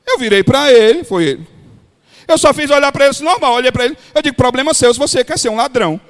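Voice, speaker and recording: Blunt high-voiced Cearense pastor preaching. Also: male voice, expressive, fast talker. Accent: Cearense Brazilian Portuguese. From Ceará, Brazil. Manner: blunt, folksy preaching with shouted peaks. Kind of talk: sermon. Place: large hall at a pastors' retreat. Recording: long hall reverb.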